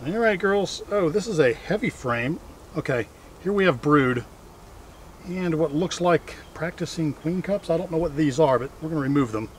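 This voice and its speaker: A man's voice: a little high, lively intonation, normal speed. A middle-aged man casually narrating as he works outdoors, in a folksy way, as if chatting to himself. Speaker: beekeeper and vlog host. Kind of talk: casual narration while working at a hive. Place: outdoors in a wooded yard. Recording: outdoor audio with clear background noise. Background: outdoor ambience, buzzing insects.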